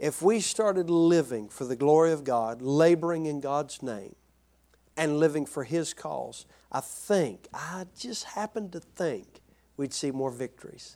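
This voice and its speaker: A man in an Appalachian accent, fairly high in pitch yet dark and mellow in tone, with lively intonation at a fairly slow pace, on a very clean recording with a silent background. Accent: Appalachian Southern US. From West Virginia, small rural town. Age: 30s. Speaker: travelling preacher. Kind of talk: sermon. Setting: church with congregation. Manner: animated.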